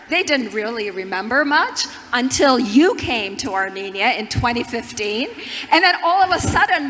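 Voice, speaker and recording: Bright eager woman moderator in a hall. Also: high-pitched. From Turkey. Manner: eager, prodding, stumbles on restarts. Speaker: conference moderator. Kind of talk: onstage fireside chat. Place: large conference hall stage. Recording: reverberant hall with audience noise.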